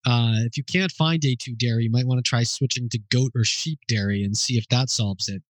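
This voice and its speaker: A man answering listener questions off the cuff at a mid-range pitch, pausing to think and correcting himself as he goes. His voice sits close and dry, with almost no room sound around it. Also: no echo, poor audio. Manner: thinking aloud, hesitant, with fillers and self-corrections; informal and explanatory.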